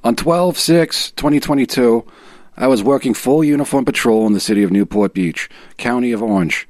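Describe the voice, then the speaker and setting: A man's voice: medium pitch, moderate pace, darkish tone, dry recording, natural voice. Man putting on a clichéd East Coast movie cop. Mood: official, matter-of-fact. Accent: exaggerated northeastern US. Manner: formal, procedural, matter-of-fact. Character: clichéd gruff East Coast American movie cop reading a police report. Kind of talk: dramatic reading of a police report.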